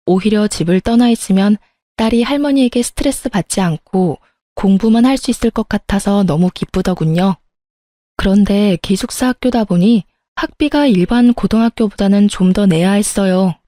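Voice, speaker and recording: Warm-voiced woman narrating a true story. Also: medium pitch, no room sound, clean studio sound.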